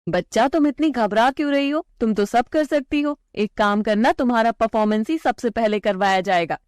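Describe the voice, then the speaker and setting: A woman as a gentle, kind schoolteacher. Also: on the high side, normal speed, clear, resonant tone, dry recording, clean studio sound, natural voice. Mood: encouraging. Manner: gentle, reassuring. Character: kind, patient female schoolteacher.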